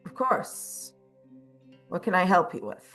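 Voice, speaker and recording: Woman voicing a calm, soft-spoken scholarly man. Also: on the low side, takes it slowly, soft background music, heavily acted. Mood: measured.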